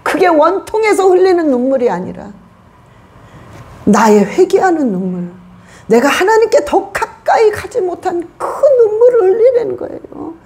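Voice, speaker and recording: A woman pastor delivers a passionate church sermon, her high voice swinging widely in pitch. She keeps putting rhetorical questions to the congregation and leans hard on each point. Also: very animated, normal speed, a little mellow. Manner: emphatic preaching with rhetorical questions.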